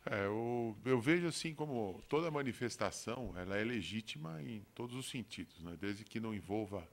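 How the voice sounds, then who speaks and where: Gravelly low-voiced judge speaking formally. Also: male voice, expressive. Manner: measured, formal, hesitant. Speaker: panel guest, judge. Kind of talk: panel discussion talk show.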